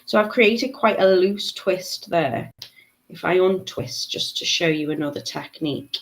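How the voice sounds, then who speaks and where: A woman in her 30s from Liverpool, England, gives a live beading tutorial, chatting and laughing as she reads viewer comments aloud. Her voice is lowish and unhurried, and the audio is poor with slight background noise.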